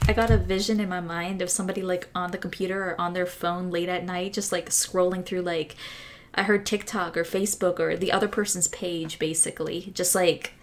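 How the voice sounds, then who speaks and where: A woman doing a casual pick-a-card tarot reading, rambling with lots of fillers and restarts, her voice a little hoarse from losing it. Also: on the low side, level tone, brisk. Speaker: tarot reader.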